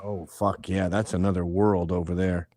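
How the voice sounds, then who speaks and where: A man's voice: sits low, flat delivery, moderate pace, warm tone, dry recording, clean studio sound. A man in his fifties, a guest on a casual livestream chat, who tells rambling, joking stories and swears freely. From Canada. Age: 50s. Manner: profane, rambling, joking storyteller. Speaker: podcast guest.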